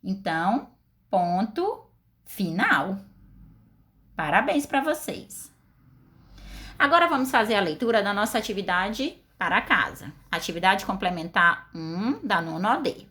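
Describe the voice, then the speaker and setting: Slow, lively-voiced teacher woman. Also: mid-range voice. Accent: Brazilian Portuguese. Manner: slow, deliberate, expressive with questions to pupils. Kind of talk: recorded class lesson.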